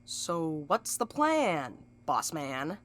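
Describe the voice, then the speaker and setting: An actress in an audio drama playing a cynical, sharp-tongued schemer with a wry, blunt, folksy way of talking. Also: female voice, sits low, sing-song, extremely slow, exaggerated voice. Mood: challenging.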